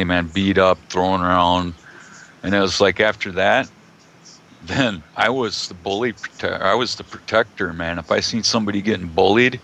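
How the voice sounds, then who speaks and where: A man's voice: sits low, gravelly, pushed and bright, slight background noise. A man from Minnesota with an American accent, chatting casually and bluntly as a podcast co-host. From southern Minnesota, United States. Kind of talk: casual chat.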